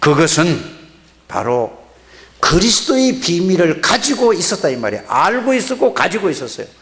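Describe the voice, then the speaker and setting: Amid noticeable background noise and audible room echo, a man talks at a moderate pace with very wide pitch swings. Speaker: pastor. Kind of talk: sermon. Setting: church. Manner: consciously restrained volume.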